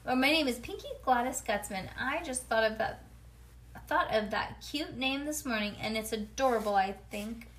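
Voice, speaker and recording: A woman voicing an excitable, bossy little girl with a childish, exuberant way of talking, in a storybook reading. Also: fairly high pitch, normal speed, lightly acted. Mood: insistent. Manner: childish grammar, exuberant, boastful.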